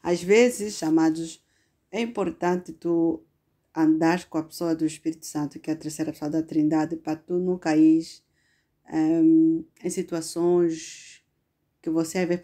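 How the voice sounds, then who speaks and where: A woman's voice: fairly low pitch, warm tone. A woman giving an informal, earnest sermon testimony, often calling her listeners "beloved". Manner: conversational, earnest, addresses listeners as "amado". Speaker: preacher.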